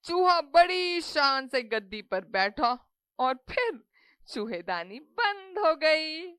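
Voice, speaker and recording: A woman narrates a children's story slowly and clearly, in a high voice. She sounds bright and crisp. The recording is dry, from a close studio mic. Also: big pitch swings, no echo. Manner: slow, clear storybook telling.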